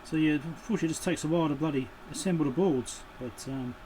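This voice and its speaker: A man's voice: on the high side, rapid-fire, dark tone, a little hiss or hum, low-quality recording. A man giving an off-the-cuff, casual running commentary as he does hands-on work, with muttered asides. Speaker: electronics repair channel host. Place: indoor electronics workbench.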